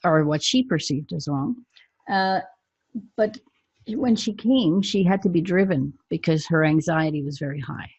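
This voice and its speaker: A woman's voice: low voice, a little mellow, breathy edge, dry recording, muffled recording. A woman hypnotherapist, a guest on a podcast, speaking matter-of-factly about her clients. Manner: matter-of-fact, tells client stories. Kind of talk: casual podcast interview.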